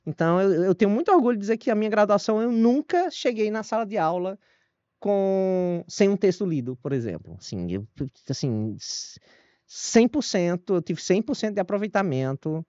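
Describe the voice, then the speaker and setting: A man's voice: high-pitched, moderate pace, no room sound. Man with a northeastern Brazilian accent. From Northeast Brazil (Paraíba, Ceará). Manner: animated, self-deprecating, frequent restarts and laughs. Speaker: guest historian. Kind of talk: relaxed storytelling in an interview. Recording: dull lo-fi dry audio.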